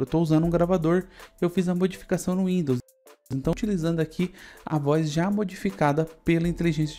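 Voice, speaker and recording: A man in his thirties with a Brazilian accent giving a casual software tutorial on a USB microphone in a studio. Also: fairly high pitch. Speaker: tutorial presenter. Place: studio indoors.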